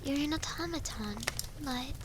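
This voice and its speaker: A woman playing a gentle, affectionate young mistress in an intimate roleplay audio, speaking softly, reassuringly and a little hesitantly to her automaton companion, sometimes breathily. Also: sits high, normal speed, noisy background, lightly acted. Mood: shy, tender. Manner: tender, reassuring, hesitant, drifting into breathy whispers.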